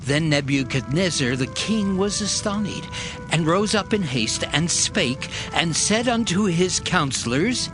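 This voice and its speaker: A man narrating dramatized scripture in a solemn, measured, dramatic manner. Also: fairly high pitch, lively intonation. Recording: music behind the voice.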